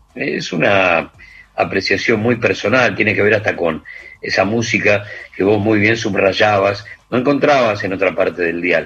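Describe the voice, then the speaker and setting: A man speaks at a moderate pace in a Rioplatense accent. His voice is fairly low in pitch, with ordinary pitch variation. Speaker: radio show host. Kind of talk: radio program presentation. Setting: video call.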